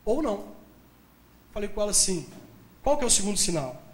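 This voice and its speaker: Guy preaching fast in a church, acts out every line, big echo. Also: sits high. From Brazil. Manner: animated storytelling, acts out dialogue, laughs at own jokes. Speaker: pastor. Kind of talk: sermon with personal story. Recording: echoey church hall.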